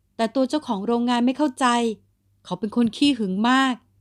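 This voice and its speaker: A woman's high-pitched voice, with ordinary pitch variation, comes through a very clean recording with a silent background. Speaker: audio novel narrator and author. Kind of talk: romance audio novel reading.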